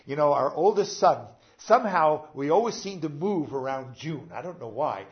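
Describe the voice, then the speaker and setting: An older man, a pastor, preaching a sermon in a conversational way, pausing with "uh" and talking straight to his congregation. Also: on the high side, expressive, dull audio.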